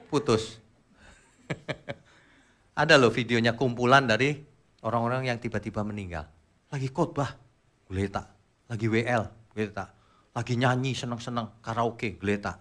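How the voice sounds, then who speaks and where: A pastor preaching a sermon in a lively colloquial way, firing rhetorical questions. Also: male voice, on the low side. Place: church.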